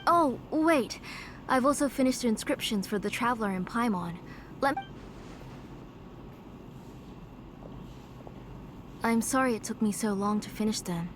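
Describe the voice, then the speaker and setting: A woman voicing a frail but determined, devoted mother in a video game, speaking in an earnest, measured way. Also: fairly high pitch, noisy background, close to an everyday voice. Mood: apologetic.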